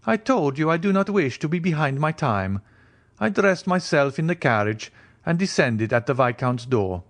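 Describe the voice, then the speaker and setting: Man voicing a lofty, higher-pitched mysterious count. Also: big pitch swings, normal speed. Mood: composed. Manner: formal, precise, loftily composed. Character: mysterious, self-assured, aristocratic male count. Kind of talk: audiobook character dialogue.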